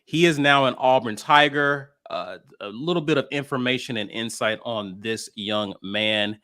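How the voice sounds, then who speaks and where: A man with a bright, forceful voice at an average male pitch hosts a sports show. He talks casually, mixing banter with player news. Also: moderate pace.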